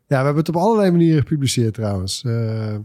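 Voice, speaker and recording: A man co-hosting a podcast in casual chat, halting and repeating words as he goes. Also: mid-range voice, sing-song, mellow. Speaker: podcast co-host.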